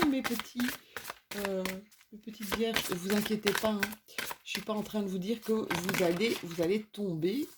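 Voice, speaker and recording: A French-speaking woman who reads astrology and oracle cards gives a casual reading at home, chatty and poking fun at herself, sometimes wandering off topic. Her voice is medium-pitched, and there's heavy background noise.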